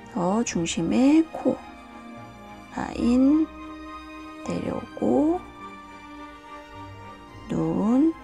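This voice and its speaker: A woman hosting a nail art and drawing tutorial, talking calmly step by step and often dropping to a whisper. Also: fairly high pitch, gravelly, soft background music. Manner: calm, slow, often drops to a whisper. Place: indoors at a desk, hands on camera.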